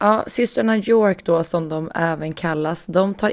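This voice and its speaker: Here a woman has an unremarkable speaking voice, fairly low in pitch, with ordinary pitch variation and a moderate pace. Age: 20s. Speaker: royal news podcast co-host. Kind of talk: casual chat.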